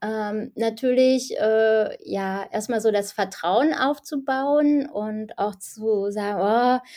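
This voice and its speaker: Speaking very slowly, a woman with a fairly high pitch and a dark, mellow tone shows ordinary pitch variation on a very clean recording with a silent background. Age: 40s. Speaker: department manager, former client. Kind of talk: interview testimony. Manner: hesitant, many filler sounds.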